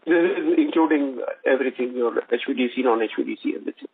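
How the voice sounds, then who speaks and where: A man asking analyst questions on a business conference call, speaking haltingly with many repeated uhs. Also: mid-range voice, slightly rough. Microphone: telephone conference line. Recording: tinny phone line with faint noise.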